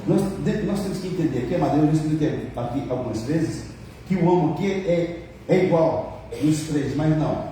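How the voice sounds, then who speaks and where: At a normal pace, a pastor with a dark-toned, somewhat high voice and a Brazilian accent preaches, joking with listeners and playing out quoted conversations. There's a little hiss or hum, and the church hall rings with echo around a distant mic.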